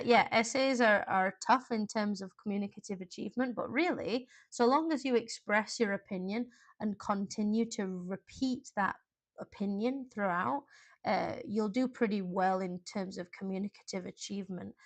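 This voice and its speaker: A woman teaching an exam class in a chatty, informal live online lesson, with frequent fillers and asides. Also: mid-range voice.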